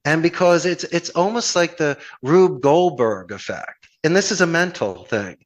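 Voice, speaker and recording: A man's voice: fairly high pitch, expressive, measured pace. A man from Philadelphia with a Philadelphia accent, talking as a podcast guest in an earnest, flowery, motivational way with plenty of rhetorical questions. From Philadelphia, United States. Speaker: podcast guest, call center owner. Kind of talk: conversational podcast interview, motivational anecdotes.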